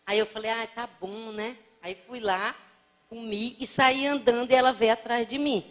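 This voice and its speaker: A woman's voice: fairly high pitch, moderate pace. A woman giving a spiritist lecture, telling humorous anecdotes and acting out the voices she quotes. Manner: playful storyteller, acts out quoted voices.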